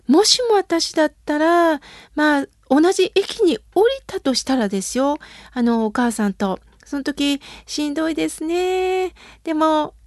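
A woman hosting a radio show, reading listener mail aloud and answering it in a soft, polite, thoughtful manner. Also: sits high, dry recording, clean studio sound. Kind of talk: gentle radio talk reading letters.

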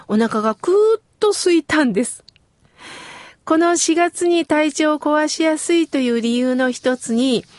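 A middle-aged woman from Kitakyushu giving gentle, slow, explanatory advice in a scripted talk. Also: high-pitched, no room sound, studio quality. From Kitakyushu, Japan.

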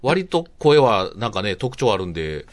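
A man's voice: lowish voice, big pitch swings, moderate pace. Man, radio guest, chatty with fillers, background crowd noise. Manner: chatty, laughing, many fillers. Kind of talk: casual radio chat.

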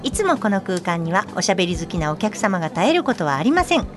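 A woman's voice: medium pitch, big pitch swings, quick pace. A woman giving a cheerful scripted narration as the show's intro. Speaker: show narrator. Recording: narration over background music.

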